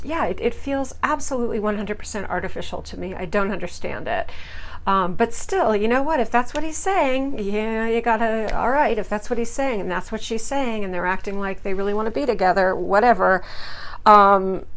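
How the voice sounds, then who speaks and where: Female recap host, mid-pitched voice, casual and opinionated, blunt and mocking, leans hard on key words. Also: lively intonation, moderate pace.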